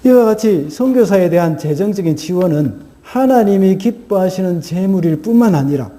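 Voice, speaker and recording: A man's voice: high voice, expressive, normal speed, dark tone. A male pastor preaching a sermon, telling a story earnestly with hesitant fillers and small self-corrections.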